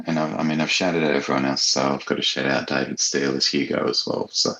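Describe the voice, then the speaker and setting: A man with an exceptionally deep voice talks casually as a guest writer in an interview. He is reflective and appreciative, a little hesitant as he forms his thoughts. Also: little pitch movement, fast, noisy background.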